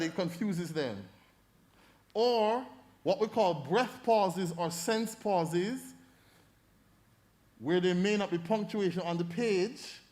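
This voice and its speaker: Lively high-voiced Jamaican man judging. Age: middle-aged. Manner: animated, demonstrates voices while coaching. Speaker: debate judge. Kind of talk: feedback speech to an audience.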